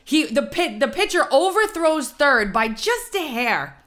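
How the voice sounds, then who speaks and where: A woman hosting a podcast, her voice hoarse and scratchy, telling stories in a lively, animated way. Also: sits high, measured pace. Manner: animated storyteller. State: hoarse from screaming. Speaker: podcast host. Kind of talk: casual chat.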